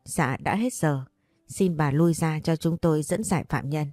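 A woman's voice: low-pitched, dark tone, no room sound. Woman reading as a formal police officer. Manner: formal, brisk.

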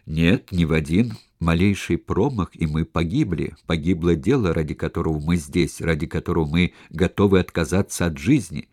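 A shrewd, patient plotter, voiced by a man reading a novel talks his allies down in a measured, persuasive way. His voice is low and mellow, recorded close and dry. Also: dry recording. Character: shrewd, cautious male conspirator, calm schemer. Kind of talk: audiobook character reading.

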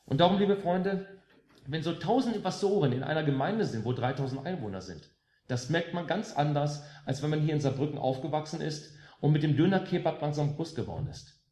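A man's voice: fairly high pitch, mellow. A man from West Germany addressing a live concert audience between songs, speaking emphatically with sarcastic jabs and rhetorical questions. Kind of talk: rousing political stage speech. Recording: roomy live room with faint music.

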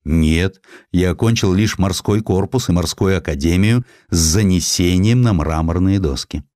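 Guy doing a proud young nobleman navy officer for an audio story, firm and dignified, deep voice, dry recording. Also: moderate pace, darkish tone, no echo, lightly acted. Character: proud, determined young aristocratic naval officer.

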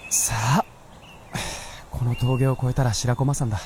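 A man's voice: mid-range voice, steady tone, unhurried, a little mellow, slight background noise, lightly acted. An actor playing a centuries-old male white fox spirit guarding a mountain, musing and solemn in a radio drama. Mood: musing, watchful.

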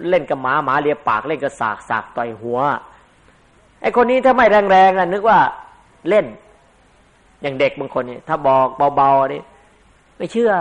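Older male monk-teacher, sermon delivery, somewhat high voice, conversational with emphatic bursts. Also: a bit bright. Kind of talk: dharma sermon.

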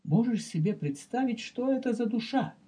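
A man teaching as a rabbi in a recorded religious lecture. He speaks deliberately, addresses the listener directly, and explains and repeats terms for emphasis. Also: very high voice, expressive, mellow, husky.

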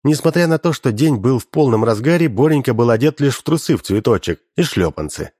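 A man reading a story aloud in a wry, expressive way, close to a studio mic. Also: medium pitch, brisk, breathy edge, dry recording. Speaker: audiobook narrator. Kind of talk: expressive scripted story narration.

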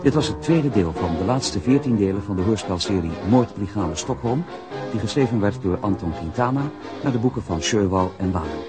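A man reading formal closing credits as a radio announcer, in a measured way. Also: on the low side, expressive. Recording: broadcast with music underneath.

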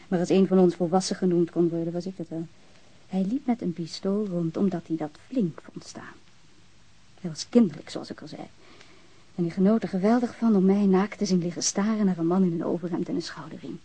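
A young woman acting in a crime audio drama as a bereaved woman, frank, guarded and self-possessed, speaking in measured phrases. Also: on the low side, dark tone, husky, rough recording. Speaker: actress in a radio drama.

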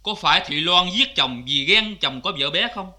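Stern judge, formal questioning, very bright tone, cải lương drama. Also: male voice, sits high, expressive, moderate pace, exaggerated voice.

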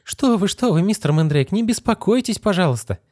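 A man's voice: high voice, expressive, fairly quick, darkish tone, no echo, clean studio sound, pitched above the performer's own voice. A man voicing an anxious middle-aged mother who fusses and pleads. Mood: fussing. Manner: fussing, imploring.

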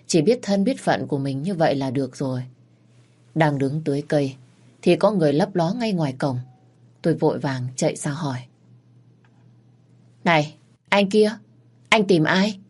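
A woman narrating a first-person story in a soft, sorrowful storytelling manner. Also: low voice, animated, brisk, breathy edge.

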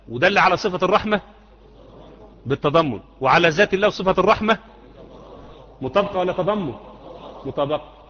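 A man's voice: a little high, fairly bright tone. A man with an Egyptian Arabic accent teaching Islamic creed, quizzing students and repeating points until the class answers. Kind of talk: classroom lecture with questions to students. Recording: muffled lecture hall recording with long echo.

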